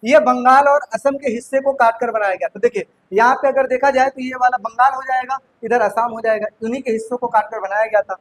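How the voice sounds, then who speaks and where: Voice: medium pitch, fairly even intonation, fairly quick, hardly any pauses, low-quality recording. A teacher giving a spoken history lesson, posing rhetorical questions, answering them right away and repeating key points. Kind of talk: classroom lecture explaining history.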